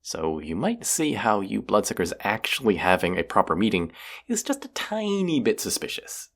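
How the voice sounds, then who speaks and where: A cocky young vampire hunter acted by a man for an audio roleplay. His voice sits very deep, with heavy gravelly fry. He talks in casual slang, teasing and sarcastic, and is quick to mock himself. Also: sing-song, fairly bright tone, full character voice. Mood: teasing, defiant.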